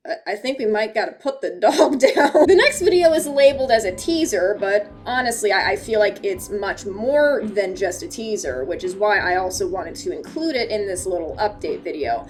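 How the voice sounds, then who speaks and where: A woman giving casual, joking video-essay commentary with a sarcastic, slangy delivery and mock-dramatic asides. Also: medium pitch. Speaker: host of an analog horror analysis video. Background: background music.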